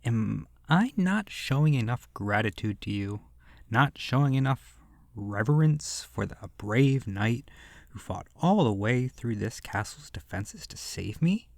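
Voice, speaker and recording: A man's voice: mid-range voice, animated, a little slow, gravelly, no room sound, clean studio sound. A man voicing a sadistic, bored immortal vampire in a horror roleplay audio, languid and condescending, with theatrical delivery that slips into whispers. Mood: mocking.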